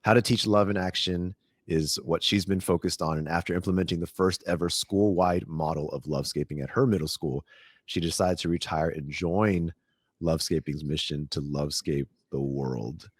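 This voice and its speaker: A man hosting a podcast interview in a relaxed, chatty way, with frequent fillers and restarts. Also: deep voice, moderate pace, slightly rough, dry recording, clean studio sound. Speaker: podcast host.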